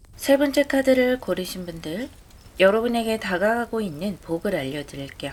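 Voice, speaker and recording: Swinging widely in both pitch and loudness, a woman speaks at a moderate pace in a fairly high register. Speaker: tarot reader. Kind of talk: tarot reading to camera.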